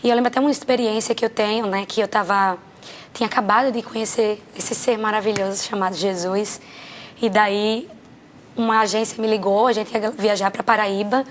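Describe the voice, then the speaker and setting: A woman's voice: mid-range voice, steady tone, fairly quick, a little hiss or hum. A young Brazilian woman, a guest on a talk show, giving an emotional, earnest personal testimony. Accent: Brazilian Portuguese. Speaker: guest, journalist and former model.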